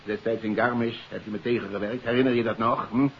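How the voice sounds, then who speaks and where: A man's voice: medium pitch, fairly even intonation, quick pace, close to an everyday voice. Male actor as suspicious threatening crook, 1950s radio drama, accusing delivery, dulled sound, light hiss. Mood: controlled, threatening. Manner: accusing, menacing, interrogating. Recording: muffled hissy 1950s radio recording.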